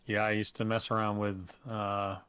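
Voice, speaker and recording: A man's voice: lowish voice, flat delivery, moderate pace, fairly bright tone, smooth. A man chatting casually with a friend during a game stream, easygoing and a little hesitant. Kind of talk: casual gaming chat. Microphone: desk microphone.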